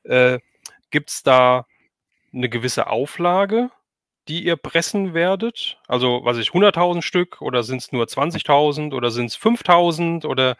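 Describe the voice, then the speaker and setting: A man's voice: fairly high pitch, expressive, measured pace, a bit bright, no room sound, studio quality. A man hosting a casual livestream chat, loosely rambling and thinking aloud as he takes viewer questions. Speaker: host of a livestream.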